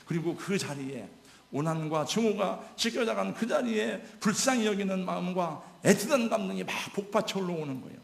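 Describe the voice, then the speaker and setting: A male pastor delivering an emotional, exhorting sermon. His voice sits high for a man and is gravelly. It echoes through a roomy church sanctuary. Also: expressive, brisk.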